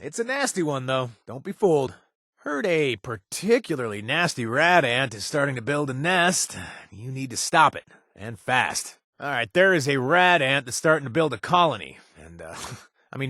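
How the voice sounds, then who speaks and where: A man's voice: mid-range voice, sing-song, moderate pace, sharp tone, no echo, studio quality, full character voice. An actor playing a laid-back, wisecracking young male mercenary in a video game, talking casually with joking asides and filler sounds. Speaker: quest-giving companion. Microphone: dry studio recording.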